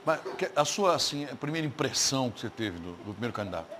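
A man's voice: mid-range voice, very animated, fast, a little hiss or hum. A man hosting a comedy talent show, joking and offhand as he banters with his guests. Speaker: show host. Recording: loud studio crowd.

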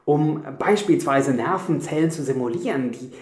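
An actor playing a technically minded programmer in a radio drama, explaining in a hesitant manner. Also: male voice, fairly high pitch, moderate pace, darkish tone, natural voice. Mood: explanatory, hesitant. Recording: roomy echo.

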